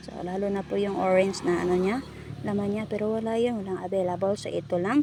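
A woman at a medium pitch and fairly quick pace, fairly even intonation, noticeable background noise. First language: Cebuano (Bisaya) (speaking Tagalog). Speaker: vlogger. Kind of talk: casual cooking vlog. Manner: halting, many fillers.

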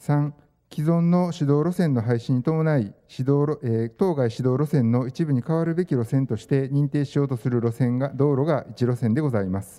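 Over a quiet background, the speaker keeps a moderate pace with hardly any pauses, ordinary pitch variation and a dark, mellow tone. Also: man. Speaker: city government department head. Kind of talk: formal official explanation. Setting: council committee room. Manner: formal. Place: meeting room. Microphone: podium.

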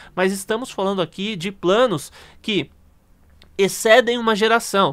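The pace is fairly slow. The background stays quiet. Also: man. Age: 30s. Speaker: crypto YouTuber. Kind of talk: monologue commentary.

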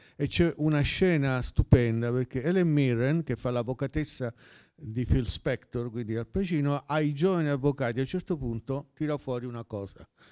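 Dark, mellow male voice at a moderate pace with ordinary pitch variation over a quiet background. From Italy. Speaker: jazz writer and festival producer; panelist. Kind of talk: panel discussion. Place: hall. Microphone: handheld.

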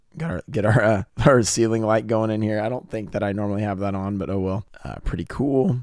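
The man speaks at a fairly quick pace with a fairly low pitch and ordinary pitch variation. The sound is dry with no echo, and the background is quiet. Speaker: card collecting youtuber; card collector youtuber. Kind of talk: casual card grading reveal. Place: home room. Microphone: studio mic.

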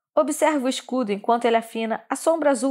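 A woman's intense tone at a moderate pace, with ordinary pitch variation. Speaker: audiobook narrator. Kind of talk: dramatic first-person audiobook narration of a fantasy novel, read aloud with tension. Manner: intense, urgent, emotionally charged delivery, clipped and breathless in action scenes.

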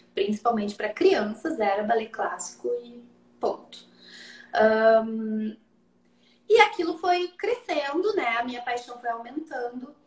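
A high-pitched woman speaks with very wide pitch swings, big swings in loudness, and long, frequent pauses. Audible room echo surrounds her voice. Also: fairly slow pace. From Porto Alegre, southern Brazil; Rio Grande do Sul, Brazil. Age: 40s. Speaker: dancer and dance teacher; dance teacher. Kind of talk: interview, personal story; interview answer. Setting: online live stream. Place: home room. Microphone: earbuds.

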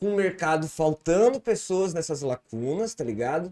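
With very wide swings in pitch, the man speaks in a dark, mellow tone. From southern Brazil. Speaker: comedian and video producer; podcast guest, comedian. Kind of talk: casual chat. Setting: studio. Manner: animated. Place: studio. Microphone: studio mic.

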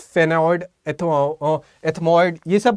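Against a quiet background, a man with a high-pitched voice speaks in a regional Hindi accent. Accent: regional Hindi accent, noticeable. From Chhattisgarh, Raipur. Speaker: exam-prep teacher. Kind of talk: live online class. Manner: casual, Hindi-English mix. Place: studio.

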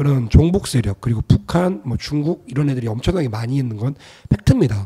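Against a quiet background, a man's somewhat breathy voice with a dark, mellow tone moves through very wide pitch swings. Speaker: podcast host. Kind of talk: interview. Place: studio. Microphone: studio mic.

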